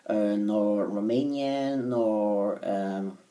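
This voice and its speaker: A man speaks in a lowish, warm tone, pausing often as he works out what to say. His voice sits a little back from the mic, with some room around it. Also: recorded from a distance. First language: Portuguese. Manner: halting, thinks aloud with frequent pauses. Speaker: language-learning vlogger. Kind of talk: casual monologue to camera.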